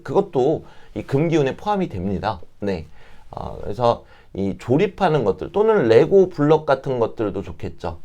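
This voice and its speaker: Slightly hoarse man explaining with varied intonation. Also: medium pitch, a little mellow. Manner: polite, explanatory, addressing parents. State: slightly hoarse, throat catching. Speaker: fortune-telling advisor, channel host. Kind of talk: informal explanatory talk to camera.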